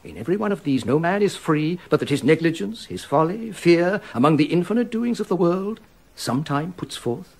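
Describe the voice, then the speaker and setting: A husky, deferential royal counsellor. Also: male voice, a little high, very animated, brisk, full character voice. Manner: deferential and pleading. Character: loyal, anxious royal counsellor, grown man. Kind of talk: radio drama acting.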